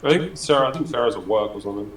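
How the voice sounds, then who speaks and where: A man's voice: fairly low pitch, expressive, rapid-fire. A man chatting casually on a gaming voice chat through his phone, his voice coming through with a big echo. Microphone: phone over voice chat. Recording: echoey roomy phone audio from far off.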